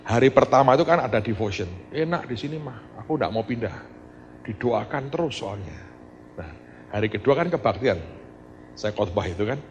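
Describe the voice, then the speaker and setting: A middle-aged male pastor telling stories in a sermon, animated and addressing the congregation directly while acting out the voices he quotes. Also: mid-range voice, normal speed, dull audio, slight background noise. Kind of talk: sermon storytelling.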